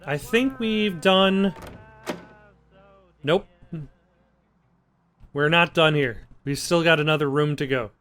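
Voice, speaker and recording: A man provides relaxed gameplay commentary as a let's play host. His voice is a bit high, and he thinks aloud with dry jokes. Soft music runs behind him. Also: slow pace, long pauses. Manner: dry joking, musing aloud.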